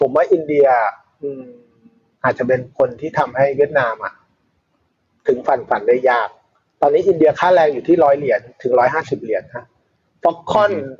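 This man's voice sits fairly high in pitch and is somewhat breathy. His pitch varies in an ordinary way. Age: 40s. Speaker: investor. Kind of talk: casual interview.

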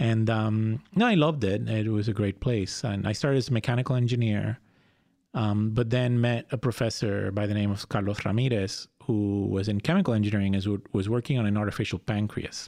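Talking at a fairly quick pace, a man with a fairly low pitch and a dark, mellow tone keeps his intonation fairly even and his loudness very even. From Puerto Rico (Fajardo). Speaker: engineering professor. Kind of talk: casual interview. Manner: halting, with frequent repetitions.

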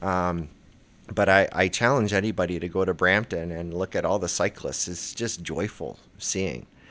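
Recorded very cleanly against a silent background, a man with a Canadian accent speaks in a very deep, low pitch at a moderate pace with ordinary pitch variation. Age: 40s. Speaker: urban planning consultant and lecturer. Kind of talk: interview. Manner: halting.

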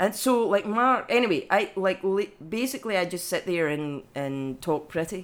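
This woman, in a Scottish accent, speaks at a moderate pace with hardly any pauses, a medium pitch and lively intonation. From Scotland. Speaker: actress and voice actor. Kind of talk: casual interview chat.

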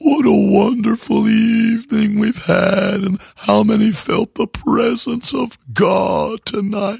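Someone puts on a character voice at a fairly slow pace with hardly any pauses, in a dry, close sound with no echo. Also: man, high pitch for a man. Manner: over-the-top, pious.

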